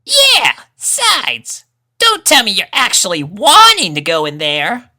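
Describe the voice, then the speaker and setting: A man's voice: high voice, huge pitch swings, slow pace, pushed and bright, pitched above the performer's own voice, exaggerated voice. A man voicing a touchy, defensive young colt pony in a storybook reading, with an indignant, boyish, slangy delivery. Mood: wary, scoffing.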